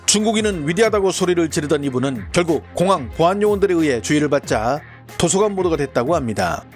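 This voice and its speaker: A man's voice: a little high, animated, soft background music. A man narrating as a channel host in a formal, scripted news-commentary style. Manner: brisk, formal delivery.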